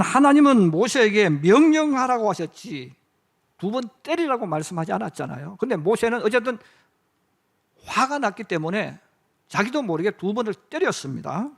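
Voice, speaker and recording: Man, middle-aged, pastor, sermon, high-pitched, storytelling, speaks to congregation. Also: creaky. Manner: storytelling preacher, acts out quoted voices, addresses congregation.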